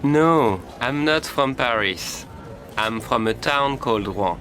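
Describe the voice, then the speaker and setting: A man playing a friendly young man making small talk in a slow, clearly spoken lesson dialogue. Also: medium pitch, fairly bright tone, slight background noise. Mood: chatty.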